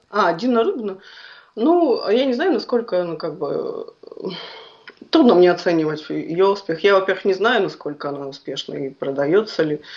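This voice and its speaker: A woman's medium-pitched voice with very wide pitch swings, a moderate pace, long, frequent pauses and noticeable background noise. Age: 30s. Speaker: writer and columnist. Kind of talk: radio interview.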